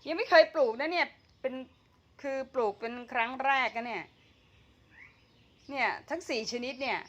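A woman with a fairly high, bright voice chats through a home gardening vlog, thinking out loud as she works and often breaking into fillers. She is recorded outdoors on a phone, and birds chirp in the background. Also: muffled recording. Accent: Thai. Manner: chatty, talks to herself while working, frequent fillers and laughs. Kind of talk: casual gardening vlog narration.

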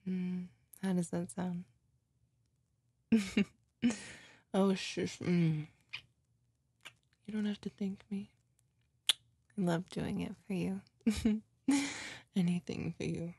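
A woman's voice: on the low side, fairly even intonation, slow pace, pauses often, warm tone, dry recording, exaggerated voice. A woman playing a doting, lovey girlfriend in an intimate, cooing roleplay ASMR, tenderly comforting and gushing over her partner up close. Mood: tender, soothing. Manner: cooing, gushing, breathy, often giggling. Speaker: roleplay audio performer.

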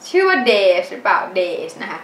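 A middle-aged woman chatting casually as she reviews used-up beauty and household products, animated and quick to laugh. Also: fairly low pitch, echoey room, slight background noise. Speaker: beauty vlogger.

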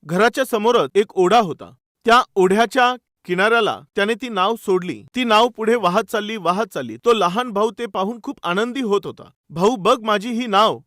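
A man's voice: sits high, fairly bright tone, no room sound, studio quality. A man preaching a devotional sermon earnestly and asking his listeners rhetorical questions.

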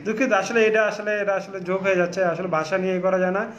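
A tired man hosting a late-night live stream from a clothing showroom, reading out viewer comments with many pauses. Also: high-pitched, flat delivery, a little hiss or hum. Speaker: shop host on a live stream. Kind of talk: casual live-stream chat. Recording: echoey, dull phone audio.

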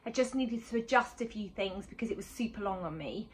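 A woman's voice: medium pitch, expressive, fairly quick, husky. A woman in her thirties with a slightly sore throat, chatting casually about her sewing in a small home room, with lots of "um"s as she rambles along. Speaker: sewing vlogger and teacher. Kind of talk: chatty sewing catch-up vlog.

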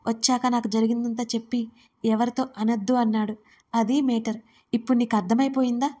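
A woman's voice: fairly high pitch, level tone, a little fast, warm tone, lightly acted. A woman voicing a cheeky young woman who gossips smugly and teases her sister. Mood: gleeful. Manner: chatty, smug and teasing.

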